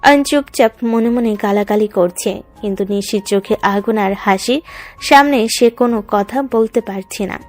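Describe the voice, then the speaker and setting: A woman's voice: mid-range voice, moderate pace. A woman reading scripted narration for a romance story in a dramatic, descriptive way.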